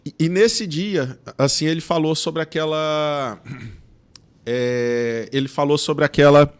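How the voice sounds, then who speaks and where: A man with a fairly high voice tells stories on a podcast. He stutters and repeats words, and he laughs often while he speaks in a loose, casual way. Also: slow pace, clean tone. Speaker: podcast guest. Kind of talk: casual storytelling.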